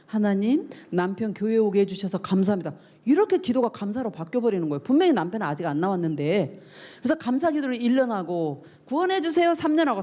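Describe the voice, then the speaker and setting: A middle-aged woman pastor preaches to a church youth service. Her voice sits fairly high and swoops widely, with a warm, mellow tone. She keeps turning to the young listeners with questions and acts out the voices of the people she quotes. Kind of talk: youth sermon.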